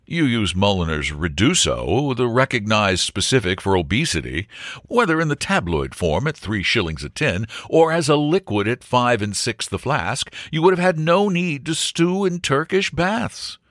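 A man's voice: medium pitch, very animated, moderate pace, fairly bright tone, no room sound, clean studio sound. A man voicing an earnest young suitor with formal, precise salesman's patter in a comic storybook. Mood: confident, salesmanlike.

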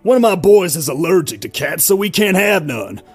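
A man voicing a goofy, doting middle-aged dad who is cheerful, bumbling and excitable. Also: high voice, normal speed, husky, soft background music, heavily acted. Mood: rambling. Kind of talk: voiced animated roleplay.

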